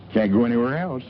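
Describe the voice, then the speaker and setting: An actor playing a folksy small-town local in a 1940s film. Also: male voice, mid-range voice, close to an everyday voice. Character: folksy small-town man giving a stranger a lift. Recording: dull, noisy 1940s film soundtrack.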